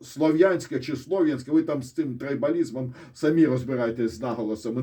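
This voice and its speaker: In a dark, mid-range voice, a Ukrainian-accented military-political commentator offers blunt, sarcastic solo commentary on a war with a map. He swears freely and breaks into pointing asides in this casual talk.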